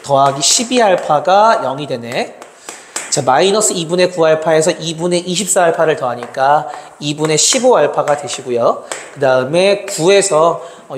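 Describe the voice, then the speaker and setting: A male math tutor working through exam problems step by step, talking calculations aloud and checking in with his students. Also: a little high. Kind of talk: exam problem walkthrough lecture. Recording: roomy reverb, faint noise.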